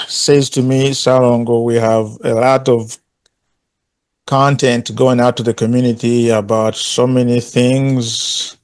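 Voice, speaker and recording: A man hosting a conversational interview in a polite, halting way. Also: medium pitch, a little mellow, clear, resonant tone, no room sound. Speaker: interviewer, host.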